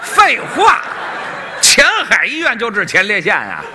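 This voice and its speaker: A man's voice: high-pitched, wildly swooping pitch, bright, forceful tone, some chatter behind. Straight man with a swooping voice. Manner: quick indignant retorts and short grunts of agreement. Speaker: straight man in a crosstalk duo. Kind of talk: Chinese crosstalk comedy routine.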